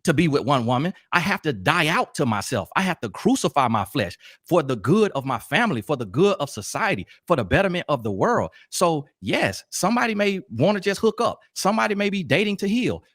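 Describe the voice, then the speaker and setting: A man's voice: fairly high pitch, a bit bright, no echo, studio quality. A man in a heated debate as a podcast guest, talking in a preachy, emphatic, moralizing way.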